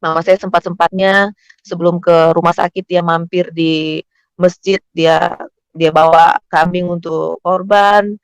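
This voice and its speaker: A man's voice: high voice, little pitch movement, measured pace, clear, resonant tone, no echo, low-quality recording. A male pastor telling a family testimony in a conversational storytelling sermon, acting out the quotes of the people in the story.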